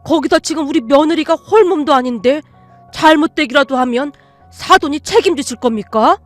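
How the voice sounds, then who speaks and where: A woman voicing a stern, loud older father-in-law. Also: a little high, moderate pace, soft background music, natural voice. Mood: stern, indignant. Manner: stern, raised scolding voice. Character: angry older Korean father-in-law, protective.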